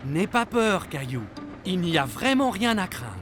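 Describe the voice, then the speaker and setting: An actor playing a gentle, playful, encouraging father in a children's cartoon, reassuring and simple in phrasing. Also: mid-range voice, big pitch swings, measured pace, over music.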